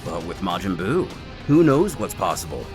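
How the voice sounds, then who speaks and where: Animated male narrator over music. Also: low-pitched, moderate pace. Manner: theatrical, storytelling. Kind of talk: dramatic scripted comic narration. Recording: music behind the voice. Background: dramatic background music.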